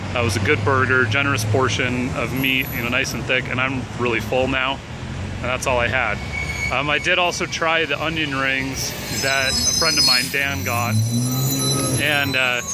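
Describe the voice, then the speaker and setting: Loud background noise surrounds a dry recording with no echo, where the speech goes at a moderate pace. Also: man, ordinary pitch variation. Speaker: food reviewer. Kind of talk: casual vlog review. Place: street. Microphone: phone near.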